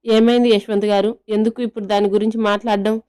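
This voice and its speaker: A lovesick young woman from an audio love story, as a female narrator voices her, soft and pleading and quick to feel hurt. Her tone is dark and mellow, with a clear, smooth sound. Her pitch stays narrow and flat. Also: lightly acted.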